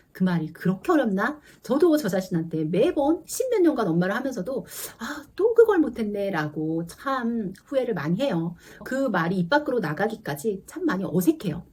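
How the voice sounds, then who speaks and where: A woman in her forties, a teacher and mother, talking earnestly to camera about parenting and acting out quick exchanges with her child. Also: mid-range voice, darkish tone, husky. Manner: earnest, confiding, acts out dialogue with her child. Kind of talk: casual parenting talk to camera.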